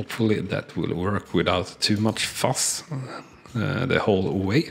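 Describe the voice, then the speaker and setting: Over noticeable background noise, a man talks at a fairly slow pace in a fairly low pitch with a relaxed, gentle tone. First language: not English. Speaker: gaming YouTuber. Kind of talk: let's play commentary. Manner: halting, many uh fillers.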